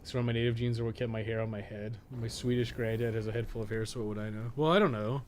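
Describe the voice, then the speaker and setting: A Canadian-accented man in his thirties with a mid-pitched voice hosts a gaming stream. He rambles casually and colloquially, swearing freely as he goes. There is noticeable background noise in the recording. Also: fairly even intonation, fast. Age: 30s. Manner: profane, colloquial. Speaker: gaming livestream host. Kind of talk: casual rambling stream chat while playing.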